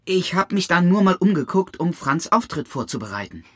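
An actress playing a cool, defensive camp leader, dismissive and argumentative, in a radio crime drama. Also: female voice, on the low side, big pitch swings, a little fast, husky.

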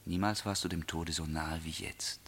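A man's voice: sits low, steady tone, normal speed, background noise, close to an everyday voice. A male actor playing a haunting, possessive inner presence in a poetic radio play, speaking in a solemn, incantatory manner. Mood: hushed, eerie. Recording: archive radio play with music behind.

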